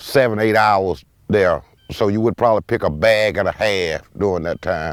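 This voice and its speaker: In an American accent, a man talks at a moderate pace with ordinary pitch variation. His fairly low voice sounds dry and close, with no echo. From Mississippi Delta. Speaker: former sharecropper, documentary interviewee. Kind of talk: documentary interview.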